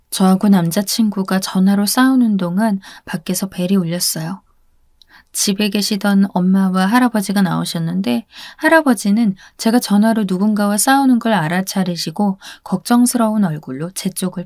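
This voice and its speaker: A woman's voice: mid-range voice, normal speed, darkish tone, dry recording, clean studio sound. A woman narrating a radio story in the first person, in a confiding tone.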